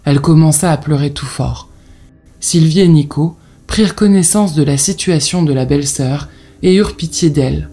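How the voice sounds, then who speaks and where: A storyteller with a husky, mellow voice narrates a children's fairy tale. Soft music plays behind the narration. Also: medium pitch, normal speed.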